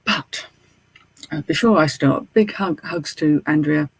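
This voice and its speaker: A British man with a slight lisp from a mouth appliance and a husky, gravelly voice, rambling chattily to live viewers. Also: on the high side, measured pace, dry recording, poor audio. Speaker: online reseller and streamer. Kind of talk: casual live chat to viewers.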